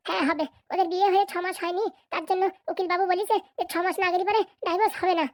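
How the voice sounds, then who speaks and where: A woman's voice: very high-pitched, fairly even intonation, rapid-fire, dry recording, studio quality. A woman voicing an eager, deferential young village son in a comedy cartoon, with stammering starts. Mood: hesitant, eager.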